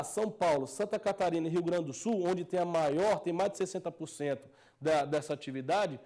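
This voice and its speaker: A man with a Brazilian Portuguese accent lectures as a technical advisor and hammers each point home by repeating phrases. His voice sits high for a man, yet the tone stays mellow and soft-edged. His delivery is earnest and explanatory throughout.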